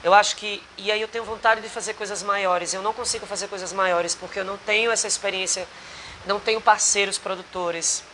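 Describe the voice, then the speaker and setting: A man's voice: high voice, fairly even intonation, fairly quick, pushed and bright, slight background noise, poor audio. A man with a Potiguar accent from northeastern Brazil, a singer and actor talking earnestly in a rambling interview with many restarts. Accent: Potiguar Brazilian Portuguese. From Rio Grande do Norte, Brazil. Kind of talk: casual interview chat. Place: bar.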